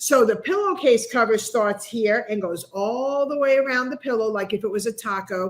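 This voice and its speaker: On a very clean recording with a silent background, a woman speaks in an animated tone at a fairly high pitch, with lively intonation and a moderate pace. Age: 60s. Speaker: inventor and cancer survivor. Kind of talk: interview chat.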